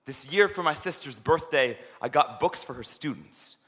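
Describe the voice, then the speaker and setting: A man's voice: a little high, animated, moderate pace, a bit bright. A man performing slam poetry on stage with an earnest, emphatic delivery. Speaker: slam poet. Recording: reverberant hall, live stage performance.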